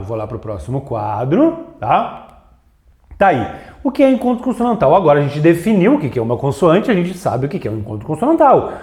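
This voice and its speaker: A man's voice: high-pitched, a little mellow. A man teaching grammar in a video lesson at a board, pointing at examples and checking in with short "right?" tags. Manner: explains with frequent "tá?" and "ó" checks. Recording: roomy echo.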